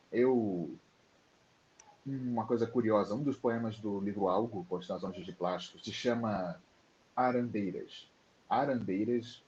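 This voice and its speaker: A Brazilian man talks through his answers in a low, mellow voice, pausing and restarting as he thinks. The sound is dull and lo-fi, with a faint hiss underneath. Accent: Brazilian Portuguese. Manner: hesitant, with restarts. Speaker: guest writer. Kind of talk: casual interview answer.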